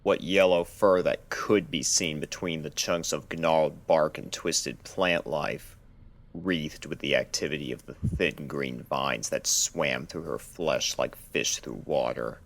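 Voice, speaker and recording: A man narrating a scripted horror story in a measured, dramatic storytelling manner. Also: rumbling low, creaky, a bit bright. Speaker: narrator of fan fiction readings.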